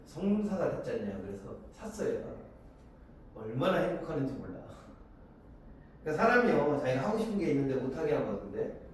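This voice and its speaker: A man in his forties teaching a Korean literature class, lively and animated, often checking that students agree and acting out lines of dialogue in quick voices. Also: fairly high pitch. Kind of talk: classroom lecture. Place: large echoey classroom. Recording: very echoey classroom, voice far from the mic, faint hiss.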